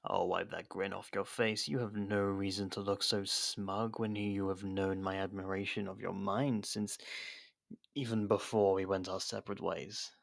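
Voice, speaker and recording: A man playing a captured, haughty royal rival with dry sarcasm and theatrical pauses in an ASMR roleplay. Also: low voice, flat delivery, vocal fry. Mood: grudging admiration.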